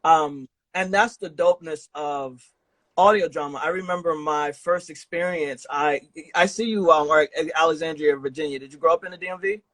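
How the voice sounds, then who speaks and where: A man's voice: on the high side, moderate pace, fairly bright tone, dry recording, low-quality recording. A man hosting a podcast interview in a casual, slangy, informal way. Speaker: podcast host interviewing a guest. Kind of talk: casual chat.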